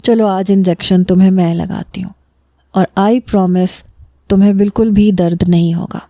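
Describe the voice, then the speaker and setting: A woman voicing a young woman doctor who speaks softly and patiently to a patient, in a storybook reading. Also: mid-range voice, steady tone, no echo, natural voice. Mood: coaxing. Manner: soft, patient, coaxing.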